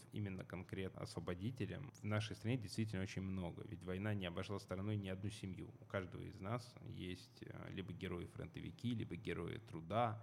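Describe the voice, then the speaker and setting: A man with a fairly low pitch and vocal fry, at a moderate pace with ordinary pitch variation. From Moscow, Russia. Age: 20s. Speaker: history and social studies tutor. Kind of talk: interview.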